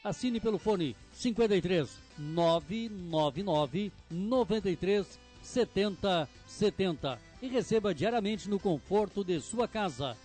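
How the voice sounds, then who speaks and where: A man's voice: high-pitched, animated, a little slow, darkish tone. A man announcing radio commercials in a polished, upbeat ad read. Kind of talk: commercial voice-over. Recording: music bed behind voice.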